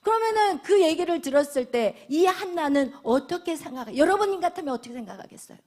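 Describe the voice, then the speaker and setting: A middle-aged woman pastor from South Korea preaching a sermon. She swings from loud lines to whispers, acts out quoted voices and keeps asking the congregation questions. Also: extremely high pitch, animated, brisk.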